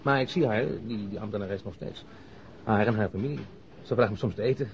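Male actor playing an eager reporter, low voice, hesitant, chatty, radio drama, dull recording, faint noise. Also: a little fast, natural voice. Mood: self-deprecating. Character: eager, chatty bachelor newspaper reporter, former convict. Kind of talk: radio drama dialogue, naturalistic.

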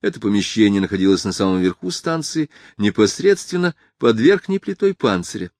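Low male narrator reading a novel aloud, grave and measured, close dry sound. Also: big pitch swings, darkish tone, no echo. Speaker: audiobook narrator. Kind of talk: first-person literary audiobook reading.

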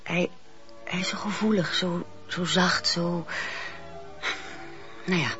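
An actress playing a passionate, earnest wife with an emotional, halting manner in a radio play. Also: female voice, fairly low pitch, steady tone, over music. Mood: pleading. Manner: emotional, halting when pressed. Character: passionate, earnest wife pleading with her husband. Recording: dull lo-fi radio play recording.

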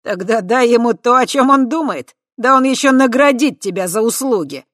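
A man's voice: sits high, animated, fairly bright tone, no echo, studio quality, pitched above the performer's own voice. Reader doing drunk cocky young guy, slurry and draggy, winks his way thru. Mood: cheeky. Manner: slurred, slow, loose. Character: young man, drunk, swaggering and cheeky.

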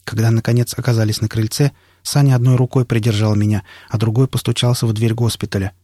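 A man narrating an audiobook in the first person in a steady storytelling manner. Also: mid-range voice, quick pace, dry recording, clean studio sound.

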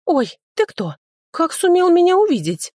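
A woman voicing a very young, timid female dryad who squeaks and whines in a storybook reading. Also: huge pitch swings, moderate pace, a little mellow, no room sound, clean studio sound, heavily acted. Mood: surprised. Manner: squeaky and lamenting, tearful.

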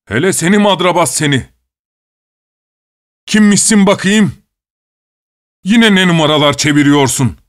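A man's voice: fairly high pitch, moderate pace, no echo, clean studio sound, natural voice. A man voicing a blustering, irritable male village watchman in a read-aloud story, with a bossy, threatening manner. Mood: furious. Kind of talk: audiobook character reading.

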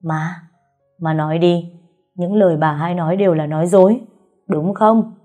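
A woman voicing a shocked, distraught young man of the household who shouts. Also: fairly low pitch, fairly even intonation, moderate pace, faint music behind, natural voice.

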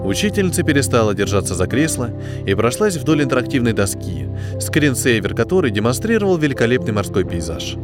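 A man narrating a science fiction story in an audiobook, with expressive, scripted delivery. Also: mid-range voice, a little fast, few pauses. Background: background music.

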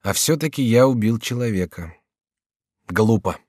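A man voicing a rash young nobleman with a sardonic, brisk manner, in an audiobook reading. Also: fairly low pitch, animated, a little mellow, dry recording, studio quality. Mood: wry.

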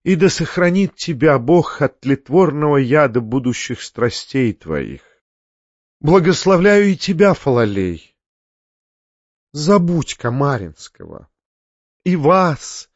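A man's voice: on the high side, a little mellow, dry recording, dull audio. A man voicing a pompous, sanctimonious older male tyrant who preaches and shrieks. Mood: solemn. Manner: preachy, shrieking when enraged.

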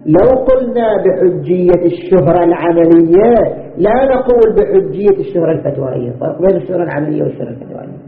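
Guy teaching a seminary class, high voice, asks himself questions, echoey tinny tape. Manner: explains point by point, asks himself rhetorical questions. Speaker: religious scholar teaching jurisprudence. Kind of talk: seminary lecture. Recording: tinny, echoey lecture recording with faint noise.

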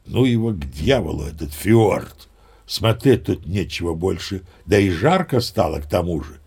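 A man's voice: low voice, lively intonation, normal speed, darkish tone, breathy edge, heavily acted. An actor playing a seasoned, boastful old sea captain who tells his yarns in a chatty, emphatic, theatrical way. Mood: musing. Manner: chatty, folksy, self-assured, emphatic. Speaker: narrator. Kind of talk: theatrical first-person storytelling, audio play.

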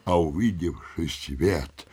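An actor playing a stout, self-important village headman in a theatrical audio drama, with a husky voice. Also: deep voice, slow, dark tone, full character voice. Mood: hesitant, furtive.

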